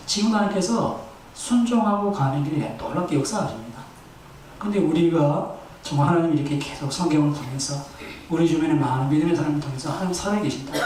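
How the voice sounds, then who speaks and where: A man's voice: fairly high pitch, a little mellow, slight background noise. A male pastor delivering a Sunday sermon in a church, telling stories animatedly and exhorting the congregation. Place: church sanctuary. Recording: echoey church hall, distant mic.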